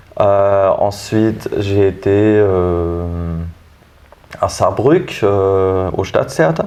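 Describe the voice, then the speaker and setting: Speaking with a German accent, a man keeps a fairly low pitch. He talks at a very slow pace with ordinary pitch variation. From northern Germany, North Sea coast. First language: German (speaking French). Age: 30s. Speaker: actor and drama teacher. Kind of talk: interview. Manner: halting, many hesitations.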